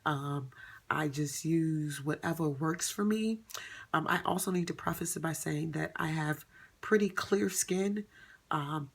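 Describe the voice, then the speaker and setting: A woman's voice: low voice, unhurried, husky. A woman in her thirties chatting casually to camera as a vlogger, rambling with many ums and self-corrections. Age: 30s. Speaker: beauty vlogger.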